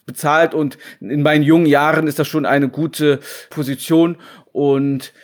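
A man's voice: a little high, level tone, unhurried. Hesitant man on a video call. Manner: hesitant, many restarts and fillers. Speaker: guest. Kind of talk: casual remote interview. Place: at home.

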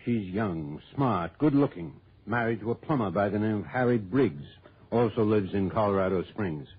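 A man's voice: on the low side, animated, moderate pace, slight background noise, close to an everyday voice. An actor playing a precise, matter-of-fact male insurance office manager in an old radio drama. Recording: tinny phone-like old radio broadcast.

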